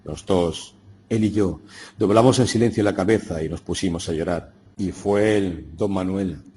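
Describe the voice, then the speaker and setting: A man narrating a literary audiobook in a slow, solemn, reflective manner. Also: low-pitched, dark tone, slightly rough.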